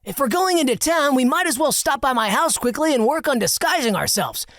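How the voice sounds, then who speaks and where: A man voicing an excitable, proud young factory owner with a high, theatrical voice. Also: fairly quick, no echo, studio quality, heavily acted. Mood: eager. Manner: high-pitched, eager and theatrical.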